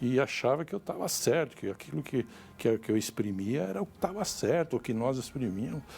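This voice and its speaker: Over music in the background, a man talks at a medium pitch with lively intonation. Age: 60s. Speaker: church member giving testimony. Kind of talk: testimony. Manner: halting.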